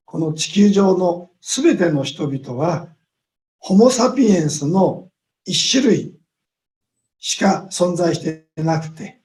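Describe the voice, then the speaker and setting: A man giving a lecture in short measured phrases, pausing often with long drawn-out fillers so an interpreter can follow, heard over a video call. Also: high voice, dark tone. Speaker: guest speaker.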